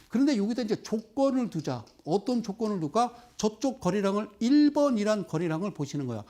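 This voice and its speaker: A middle-aged man giving a televised stock investment lecture. He speaks straight to the viewers, keeps asking rhetorical questions, and slows right down when he points at the chart. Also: sits high, darkish tone. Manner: drops into slow, drawn-out explaining while pointing at a chart.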